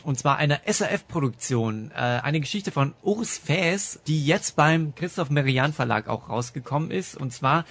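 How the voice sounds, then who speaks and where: Husky, higher-pitched man, chatty podcast host. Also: animated, a little slow, few pauses, a bit bright. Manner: enthusiastic, laughs often while talking. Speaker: podcast host reviewing audio dramas. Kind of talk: casual chatty review.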